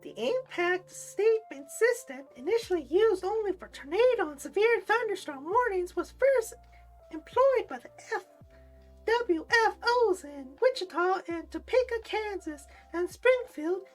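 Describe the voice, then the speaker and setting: A woman putting on a high, nasal, twangy flamboyant voice while reading aloud for practice on a livestream. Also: expressive, unhurried, faint music behind. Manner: reads text aloud in a bright exaggerated tone.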